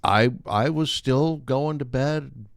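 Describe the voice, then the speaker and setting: A man's voice: mid-range voice, slow pace, gravelly, no echo, clean studio sound. An American man in his fifties chatting casually as a radio host, telling stories in a wry way. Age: 50s. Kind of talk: casual chat and storytelling.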